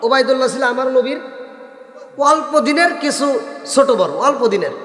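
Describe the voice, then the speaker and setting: Brief: male preacher, very high chanting voice, sing-song sermon delivery with shouts, long hall reverb. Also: animated, a little fast. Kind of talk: Bengali waz sermon, chanted storytelling. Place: large sermon gathering. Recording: echoey hall with faint music.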